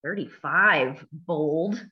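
A woman's voice: low voice, drawn-out words, highs cut off. A woman attorney hosting a casual podcast, quizzing her co-host with dry, blunt teasing.

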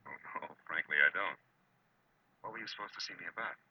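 An actor playing a wry, world-weary private detective in a 1940s radio drama, talking in clipped, tough lines. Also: male voice, deep voice, fairly quick. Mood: calm, soothing. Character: hard-boiled, wry male private detective narrating his case. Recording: muffled, noisy old radio broadcast.

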